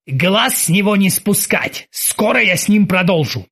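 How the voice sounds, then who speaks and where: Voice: mid-range voice, lively intonation, measured pace, fairly bright tone, slightly rough, voice pushed up, exaggerated voice. A reader putting on a barking mock-German captain. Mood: bossy interrogating. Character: blustering ship captain faking a German accent. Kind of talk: audiobook character voice.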